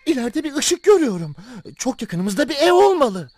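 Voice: high-pitched, big pitch swings, moderate pace, music in the background. An actor voicing a resigned but plucky farm rooster who declaims his words in a fairy-tale cartoon. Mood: eager, curious.

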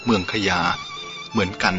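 A man reading as a gentle young woman. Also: normal speed, close to an everyday voice. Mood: sympathetic. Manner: gentle, explaining. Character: young woman, sympathetic temple servant. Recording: dull lo-fi with faint music.

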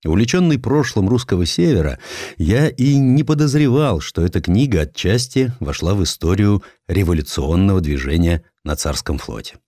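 A man narrating a literary historical story as an audiobook, in a measured, theatrical storytelling manner. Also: sits low, darkish tone, no room sound, clean studio sound. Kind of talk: expressive scripted literary narration.

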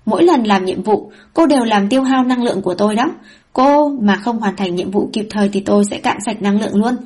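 A woman's voice: medium pitch, brisk, darkish tone, slightly rough, natural voice. A woman voicing a fussy male system spirit that nags the heroine about her mission, in an audiobook reading. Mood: nagging. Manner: nagging, pleading.

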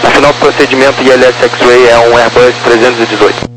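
A Brazilian man gives clipped procedural instructions as an air traffic controller. His pitch is medium. The radio channel carries clear noise and mains hum. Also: flat delivery, fast talker.

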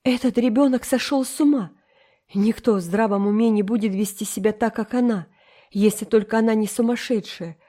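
A woman's voice: on the high side, fairly quick, dark tone, pitched above the performer's own voice, lightly acted. Lady reading as a stern strict spinster, firm and scolding, raised voice. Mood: exasperated.

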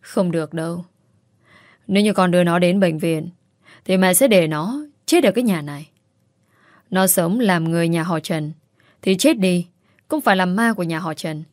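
A domineering mother-in-law who nags and insists on getting her way, voiced by a woman. The voice sits fairly low, and the recording is dry and close. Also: moderate pace, pauses often, no room sound, close to an everyday voice. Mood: insistent. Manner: nagging, insistent. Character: domineering older mother-in-law, stubborn and shrill.

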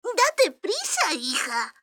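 Sweet old lady fairy godmother for a kids storybook, high swoopy voice, slow and doting. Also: huge pitch swings, fairly bright tone, full character voice. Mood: sweet, fussing. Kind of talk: children's storybook record.

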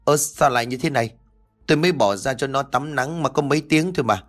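A man's voice: mid-range voice, fairly bright tone, soft background music, pitched above the performer's own voice, lightly acted. A man doing a flustered, rattled husband. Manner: fast, flustered protesting. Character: flustered middle-aged husband, bewildered.

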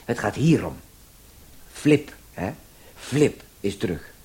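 A man's voice: mid-range voice, expressive, slow pace, a little mellow. An actor in a Dutch radio play voicing a self-important, bumbling policeman who rambles and stammers, swinging between deference and bossiness. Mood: deferential, hesitant. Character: bumbling, excitable, self-important male policeman, number zero-eight.

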